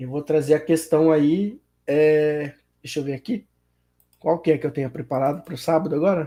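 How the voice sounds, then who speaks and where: A man's dark, mellow, fairly high-pitched voice with fairly even intonation at a moderate pace. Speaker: YouTube religion commentator. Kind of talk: live stream talk. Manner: casual, filler-heavy.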